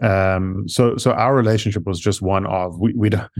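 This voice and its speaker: A man's fairly low voice with a South African accent, at a moderate pace with ordinary pitch variation, on a very clean recording with a silent background. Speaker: chief operating officer. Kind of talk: conversational interview.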